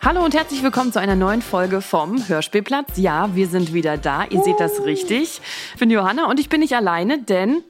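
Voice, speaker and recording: Woman, podcast host, mid-pitched voice, casual conversational delivery. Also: big pitch swings, fairly quick, loud music behind the voice.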